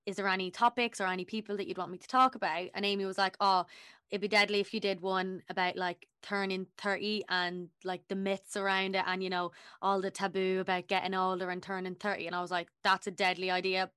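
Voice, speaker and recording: A woman's voice: mid-range voice, level tone, brisk, fairly bright tone, smooth. A woman of about thirty, hosting a podcast in a casual, rambling, enthusiastic way. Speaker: podcast host.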